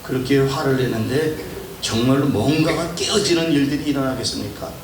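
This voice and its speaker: Middle-aged pastor guy preaching, goes loud then drops to a hush, plays out scolding voices, echoey church mic from far off. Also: mid-range voice, a little fast. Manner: swings between loud exhortation and soft, hushed asides; acts out scolding and kind family voices. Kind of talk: sermon. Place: church hall. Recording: roomy, distant mic with background noise.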